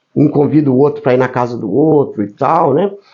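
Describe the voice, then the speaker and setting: Room echo is audible as a man speaks. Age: 60s. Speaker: preacher. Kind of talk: sermon. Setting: recorded video for online viewers. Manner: informal, conversational.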